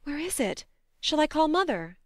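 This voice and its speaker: A woman reading a storybook, voicing a blunt, spirited young woman who talks briskly. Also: high-pitched, very animated, no room sound, studio quality, voice pushed up. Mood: tender. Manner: brisk, scolding, then tender.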